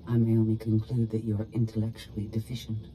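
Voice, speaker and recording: A woman's voice: very deep voice, completely flat delivery, fast, background noise. A woman voicing a cold, calculating female AI droid who speaks in a precise, condescending way. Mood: dry, superior. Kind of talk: video game voice acting. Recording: music bed under the dialogue.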